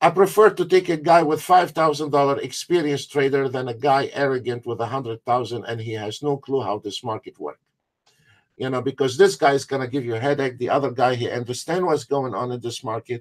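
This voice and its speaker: Fairly high-pitched for a man, this man speaks at a fairly quick pace with ordinary pitch variation. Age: 60s. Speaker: trading system vendor and live trading streamer. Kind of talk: live trading webinar. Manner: animated.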